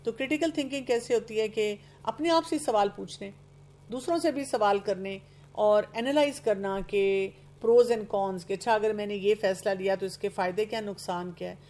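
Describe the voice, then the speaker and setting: A woman's voice: mid-range voice, warm tone. Woman, earnest advice-giving lecture voice, slips English terms into her speech. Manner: acts out young people's excuses in quoted asides. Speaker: speaker on youth guidance. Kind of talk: lecture on self-improvement.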